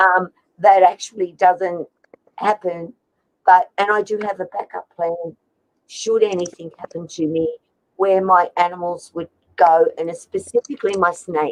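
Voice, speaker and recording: A woman with an unremarkable speaking voice, medium pitch, fairly even intonation, a moderate pace and big swings in loudness. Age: 60s. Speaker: snake keeper and YouTuber. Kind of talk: casual chat.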